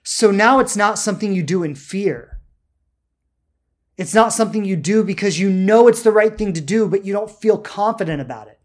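A spiritual self-help coach speaks off the cuff in a medium-pitched voice. The delivery is emphatic and deliberate, with key words stretched out and little rhetorical check-ins along the way. It is a motivational talk.

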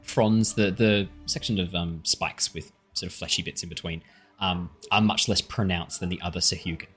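Very deep-voiced man as game master. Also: steady tone, moderate pace, fairly bright tone, husky, faint music behind. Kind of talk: improvised narration and chat for a tabletop game.

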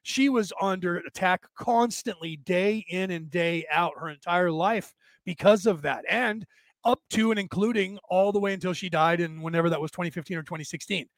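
Raspy, higher-pitched man, voice worn out. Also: moderate pace, dry recording. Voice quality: raspy, damaged-sounding voice from long-standing vocal cord trouble. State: vocal cords tired and worn out from talking. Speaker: host of a spiritual talk livestream. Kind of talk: rambling casual livestream monologue, reading listener comments.

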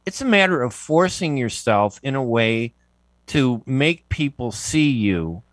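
A man's voice: medium pitch, very animated, a little slow, no echo. A man in his seventies hosting a radio interview, chatty and digressive, often restarting his sentences. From United States. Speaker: radio show host.

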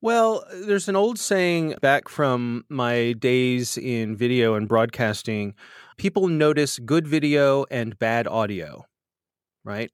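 A man's voice: medium pitch, takes it slowly, clean tone, dry recording. Man, podcast host, chatty, self-deprecating, slightly nasal, dry close sound. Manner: chatty, self-deprecating, animated when telling stories. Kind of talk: conversational interview answers.

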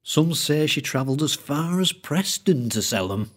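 A man voicing an older male collector with a thick Lancashire accent, speaking in a slow, droning storytelling way. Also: fairly high pitch, animated, fairly bright tone, voice pushed up.

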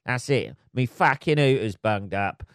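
A man's voice: mid-range voice, lively intonation, measured pace, no room sound, clean studio sound. A man in his forties hosting a casual solo podcast, nasal and stuffed up from a cold, rambling and swearing as he mocks himself. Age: 40s. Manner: sweary, rambling, self-mocking. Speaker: podcast host. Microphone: phone camera.

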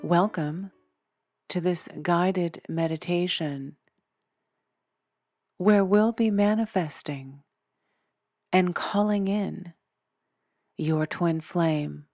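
A woman leading a guided meditation in a soothing, deliberate way, pausing often between short phrases. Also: on the low side, no room sound, clean studio sound. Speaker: meditation guide, podcast host. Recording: background music. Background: soft instrumental music.

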